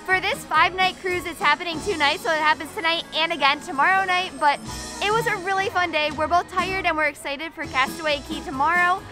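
A woman's voice: very high voice, fairly quick, music in the background. A woman in her thirties, hosting a casual travel vlog with upbeat enthusiasm, filmed on a handheld camera indoors on a cruise ship. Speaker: vlog host. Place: cruise ship dining room, shops and theater, indoors. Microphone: handheld camera at arm's length.

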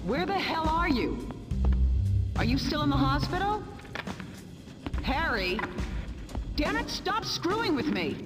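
Exasperated high-voiced woman. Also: sing-song, takes it slowly, pauses often, big-room sound, over loud music, exaggerated voice. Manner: sharp, demanding. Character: angry, exasperated, demanding woman. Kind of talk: video game voice acting.

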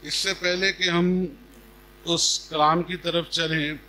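Middle-aged guy preaching, higher pitched and really forceful voice, takes his time with pauses. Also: flat delivery, low-quality recording. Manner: measured, deliberate, with pauses. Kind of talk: sermon with scripture reading. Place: stage at a church gathering. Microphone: podium microphone on a stand.

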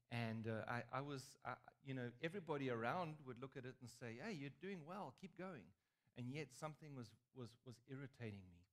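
A man in his forties with a South African accent, preaching on a church stage and telling a story in a lively, joking way. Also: medium pitch. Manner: lively, chatty, joking asides. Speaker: guest preacher. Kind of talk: storytelling sermon. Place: large stage in a church hall.

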